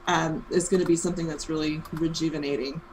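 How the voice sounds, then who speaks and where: A woman in her fifties co-hosting a business show, talking in a thoughtful, even way with frequent ums. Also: sits low, quick pace, noisy background. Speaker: co-host and franchise owner. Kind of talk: casual chat.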